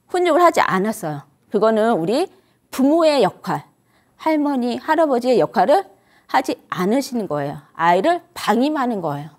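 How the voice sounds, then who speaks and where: Lively high-voiced woman lecturer. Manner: earnest, asks the audience questions and answers them herself. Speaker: parenting lecturer for grandparents. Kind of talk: instructive lecture to an audience.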